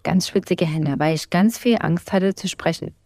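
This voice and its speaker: A woman from the Erzgebirge with a Saxon accent, co-hosting a casual podcast chat from a home party room, talking with frequent fillers and pauses. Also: on the low side, darkish tone, no echo. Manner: chatty, hesitant with fillers, laughs easily. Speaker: podcast co-host.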